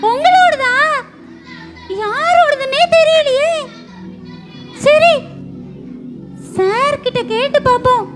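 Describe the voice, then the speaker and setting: A woman voicing an honest, underpaid office worker in a church puppet show, talking to children in a high, slow, sing-song voice. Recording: live show with background music.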